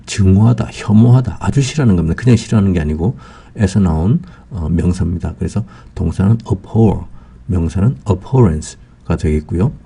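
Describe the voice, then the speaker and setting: A man teaching English vocabulary in a slow, patient lecture, Korean his first language, pausing often with fillers. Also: low-pitched, gravelly, mellow, slightly rough.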